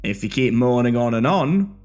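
A man voicing a blunt, sardonic male medic who teases his comrade, over soft music. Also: medium pitch, normal speed, pitched above the performer's own voice, close to an everyday voice. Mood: teasing. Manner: blunt, sardonic, deadpan teasing. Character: gruff male medic, dry and teasing.

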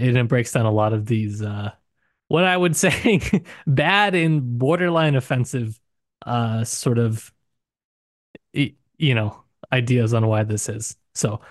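A man's voice: medium pitch, no room sound, studio quality. A man co-hosting a podcast, talking through books casually and thoughtfully, often qualifying what he says as he goes. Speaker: podcast co-host. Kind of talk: casual book discussion.

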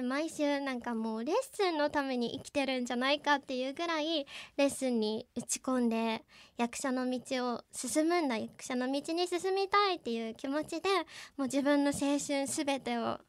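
A woman's voice: high voice, no room sound. A young woman with a cute, girlish, anime-like voice, talking politely and earnestly as a radio co-host. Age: young adult. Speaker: live streamer and radio co-host. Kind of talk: radio-style personal talk. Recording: music bed behind the voice. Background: background music.

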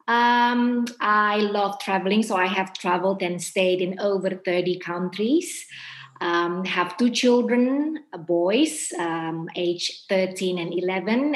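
A woman in her forties from Indonesia, an entrepreneur guest speaking in a measured, reflective way with frequent ums. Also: medium pitch. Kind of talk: interview answers. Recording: roomy echo.

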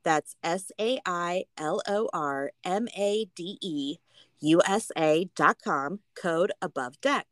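A woman's voice: fairly low pitch, slow pace, no room sound. A woman co-hosting a podcast with a chatty, playful way of talking. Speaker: podcast co-host. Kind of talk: casual chat and read sponsor spots.

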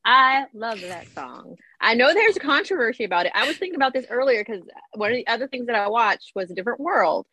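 Husky-voiced woman in casual chat. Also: on the high side, lively intonation, quick pace, few pauses, pushed and bright. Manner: easygoing, laughs often, lots of mm-hmms. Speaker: podcast co-host.

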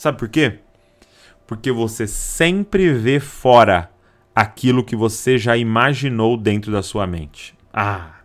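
A man's voice: mid-range voice, slow pace. A man with a Brazilian Portuguese accent preaching a sermon, emphatic, repeating key lines and acting out the people in his stories. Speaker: pastor.

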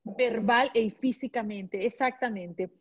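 A woman hosting an interview, asking questions in fluent, measured speech. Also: fairly high pitch, slightly rough, muffled recording.

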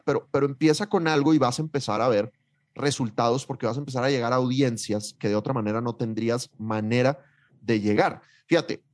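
A man with a Mexican accent co-hosting a business podcast, talking in an animated, slangy, emphatic way. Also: medium pitch. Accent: Mexican Spanish. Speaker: podcast co-host. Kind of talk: casual podcast chat.

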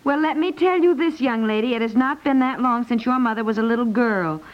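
Woman playing suburban American mom, sentimental and exasperated, higher-pitched, 1950s radio comedy, dull old recording. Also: brisk, lightly acted. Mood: indignant, then rueful. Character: sentimental, exasperated but loving suburban mother.

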